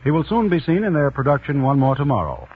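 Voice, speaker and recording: A man's voice: a little high, huge pitch swings, fast talker, slightly rough. A man reading 1940s radio commercials and announcements in a punchy, salesman-like way. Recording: tinny, narrow 1940s radio recording.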